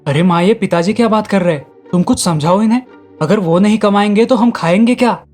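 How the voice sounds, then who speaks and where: A man's voice: high-pitched, brisk, faint music behind, pitched above the performer's own voice, close to an everyday voice. Man doing a cheeky, lazy young lad. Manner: lively and carefree.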